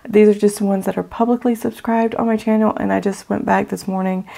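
A middle-aged woman chats to her viewers from her table at home, her voice raspy and gravelly after a recent illness. The tone is dark and mellow, loose and friendly, full of ums and thank-yous. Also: medium pitch, level tone, a little fast. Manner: warm, grateful, chatty with fillers. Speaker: faith channel host. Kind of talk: casual chat to viewers. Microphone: overhead camera, speaker off screen.

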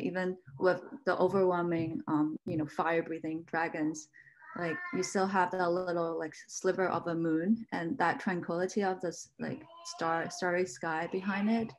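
A woman's voice: on the low side, slight background noise, poor audio. A young woman on a video call giving casual, reflective commentary in an informal, conversational way. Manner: informal, frequent "like" and "you know". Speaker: artist, panel guest.

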